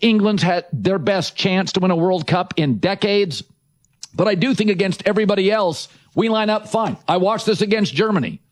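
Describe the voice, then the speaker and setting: A man's voice: high-pitched, moderate pace. A middle-aged man hosting a sports talk show, giving brash, emphatic opinions in short punchy sentences.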